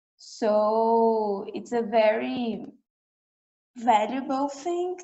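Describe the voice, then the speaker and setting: A somewhat breathy woman's voice at fairly high pitch, with a Portuguese accent and ordinary pitch variation. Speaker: film director. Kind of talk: Q&A panel. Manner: halting.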